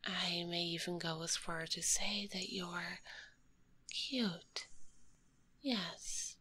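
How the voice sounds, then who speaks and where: A woman playing a kind, curious spider monster girl in a whispered ASMR roleplay, speaking gently in a breathy, politely formal way, close to a binaural microphone. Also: fairly low pitch, steady tone, drawn-out words, slight background noise, exaggerated voice. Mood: gently amused. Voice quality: breathy, hushed.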